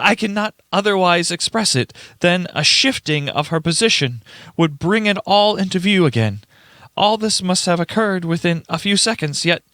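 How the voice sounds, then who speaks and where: A man's voice: a little high, a bit bright, clear, resonant tone, dry recording, voice pushed up. A man playing a shaken, earnest witness in a radio play, speaking dramatically. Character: shaken, indignant young male witness recounting a horror.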